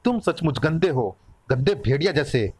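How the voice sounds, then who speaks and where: Cheeky giggly little girl, high childlike voice, lively and animated, dry sound, voiced by a man. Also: normal speed, slightly rough, dry recording. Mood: taunting.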